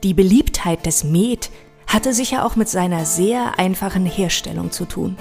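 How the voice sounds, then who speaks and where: A woman's voice: fairly low pitch, moderate pace, creaky, a little mellow, faint music behind. A woman narrating a scripted history documentary in a composed, informative way.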